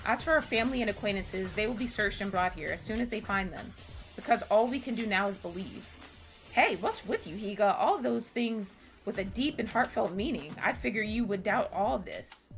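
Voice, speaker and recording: A woman reading game dialogue aloud, voicing bantering, earnest anime visual-novel students in a theatrical, expressive way. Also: medium pitch, moderate pace, soft background music, lightly acted.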